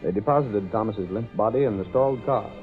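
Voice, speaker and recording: A man narrating a 1930s radio drama in a measured, formal storytelling manner. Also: on the low side. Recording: tinny old radio broadcast with music.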